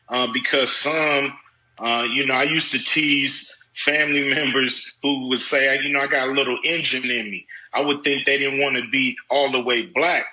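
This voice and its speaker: A man reflecting on family history, speaking haltingly with many fillers. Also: mid-range voice, sharp tone, low-quality recording. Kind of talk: reflective interview talk.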